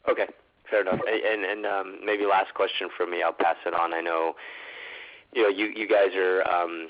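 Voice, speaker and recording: Deep-voiced male analyst, flat delivery. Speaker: financial analyst asking questions. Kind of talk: conversational earnings call questioning. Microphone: phone conference call. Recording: dull lo-fi conference call line.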